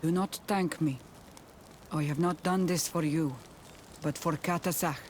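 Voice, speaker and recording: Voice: medium pitch, fairly even intonation, a little slow, darkish tone, a little hiss or hum, close to an everyday voice. An actor playing a solemn, mystical tribal seer, grave and wary, with formal, weighty phrasing in a fantasy game. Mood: grave, stern. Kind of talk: fantasy video game cutscene acting.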